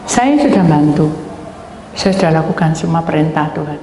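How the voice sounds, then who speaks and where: Animated woman pastor in an echoing hall. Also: normal speed, background noise. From Indonesia. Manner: animated storytelling, swings between loud high exclamations and hushed asides. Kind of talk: sermon with acted-out anecdotes. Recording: echoey hall with long reverb.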